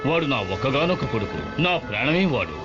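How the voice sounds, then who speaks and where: A man's voice: mid-range voice, sing-song, quick pace, natural voice. A man voicing an anxious, strict but doting father in a dubbed cartoon, with an emphatic, scolding manner. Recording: dull lo-fi cartoon soundtrack, loud music.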